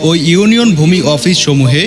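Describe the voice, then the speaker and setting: A man making a measured, official public service announcement, his voice sounding as if it comes through a loudspeaker. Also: on the high side, animated. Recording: long reverb with music behind.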